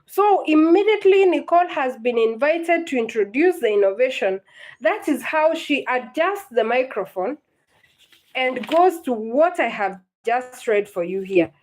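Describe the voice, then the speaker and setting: A woman's voice: high voice, expressive, measured pace, a little mellow, rough recording. A woman, teaching literature in a live-streamed lesson, patient and repetitive, often checking whether her students understand. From Kenya.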